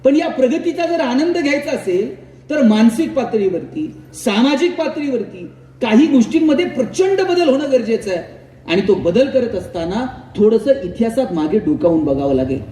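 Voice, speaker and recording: A man's voice: very high voice, lively intonation, normal speed, dark tone. A man giving a motivational public speech, telling anecdotes and building up lists to punchlines. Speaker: motivational speaker. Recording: echoey hall recorded from far off, faint ambience.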